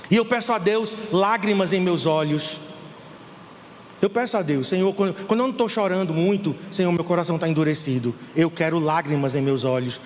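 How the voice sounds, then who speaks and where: A Brazilian pastor preaches with fervor, his voice sitting high for a man. The sound carries a long reverb from the church hall, with faint noise underneath. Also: fairly quick. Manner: fervent, preaching to the congregation. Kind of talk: sermon.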